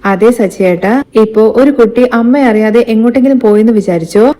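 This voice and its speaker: A woman's voice: on the high side, brisk, dark tone, natural voice. Woman reading as a teasing young wife. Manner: teasing, scolding.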